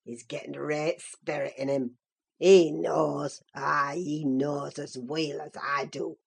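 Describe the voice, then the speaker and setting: A woman voicing a spiteful old male farm servant with a croaking, whispery Yorkshire dialect voice. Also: low-pitched, fairly even intonation, takes it slowly, voice pushed down, heavily acted. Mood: gloating. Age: older.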